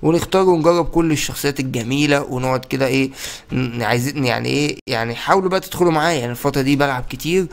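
Fast-talking Egyptian gamer man. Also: medium pitch, creaky. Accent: Egyptian Arabic. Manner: playful, chatty, addresses viewers directly. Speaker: gaming YouTuber. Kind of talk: casual gameplay commentary.

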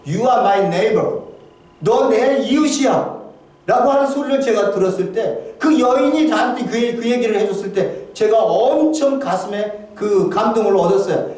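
Male pastor with a high voice, delivering a heartfelt testimony sermon full of restarts, picked up from afar in a booming, echoing church. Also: a little mellow. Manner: halting, emotional storytelling with many restarts. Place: church sanctuary. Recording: very echoey hall, voice from far off.

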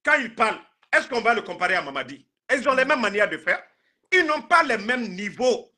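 A man's voice: high voice, sing-song, a little fast, pushed and bright. A man in his thirties with a Guinean accent, talking politics on a live stream in an emphatic, indignant, repetitive way. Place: indoor room, video call.

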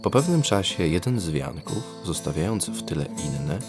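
A man narrating a scripted fairy tale as a storyteller, in a lyrical, expressive manner. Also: sits low, normal speed, music in the background.

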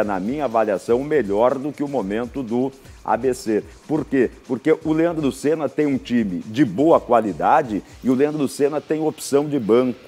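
Middle-aged Brazilian male pundit, mid-pitched voice, emphatic and repetitive, faint studio music under him. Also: darkish tone. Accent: Brazilian Portuguese. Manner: emphatic, repeats points, folksy sayings. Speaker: football commentator. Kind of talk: live TV sports analysis.

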